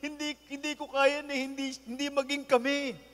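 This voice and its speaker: A man's voice: very high voice, flat delivery, moderate pace, fairly bright tone, voice pushed up. A man voicing a lovesick young man who pleads with his pastor, whiny and begging, heard with long hall reverb from a live event. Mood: pleading.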